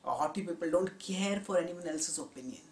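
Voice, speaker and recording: A man giving a spiritual discourse on scripture, in a measured, explanatory teaching tone. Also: on the high side, darkish tone, a little hiss or hum. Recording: roomy echo.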